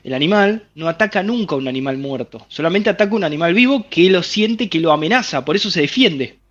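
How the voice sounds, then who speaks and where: Man, Rioplatense accent, fairly high voice, muffled lo-fi sound, lively explanatory interview talk. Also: fast talker. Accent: Rioplatense Spanish. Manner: explains with vivid hypothetical scenarios, addresses listener directly. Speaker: interviewee explaining a health theory.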